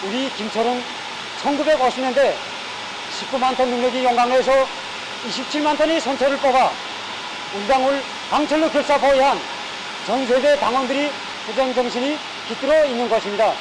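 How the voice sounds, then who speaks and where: High-pitched man with North Korean accent. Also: fairly quick, background noise. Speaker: party cell secretary interviewee. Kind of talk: rehearsed TV interview statement.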